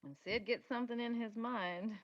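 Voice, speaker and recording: A woman's voice: fairly high pitch, normal speed, close to an everyday voice. A woman playing a kind, worried, weary mining-town woman in a script read, subdued and plainspoken. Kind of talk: screenplay table read. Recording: dull, lo-fi sound.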